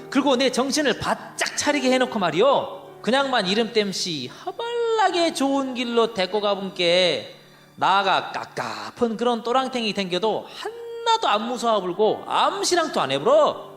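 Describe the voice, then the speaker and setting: High, lively man in Jeolla dialect. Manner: chatty, folksy, playful delivery. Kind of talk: comic dialect scripture reading. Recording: played recording in a reverberant hall with music behind.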